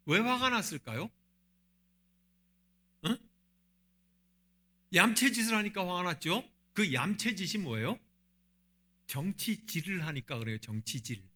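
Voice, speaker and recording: Bright, lively man preaching. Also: high-pitched. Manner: asks the congregation rhetorical questions. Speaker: senior pastor. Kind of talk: sermon.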